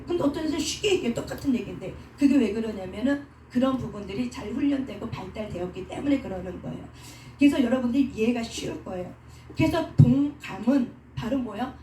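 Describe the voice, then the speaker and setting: Woman pastor, mellow voice, preaching style, rhetorical questions, recorded far off in an echoey room. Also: a little high. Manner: asks rhetorical questions and answers them, acts out quoted speech. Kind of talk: sermon teaching. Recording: roomy sound from a distance with faint noise.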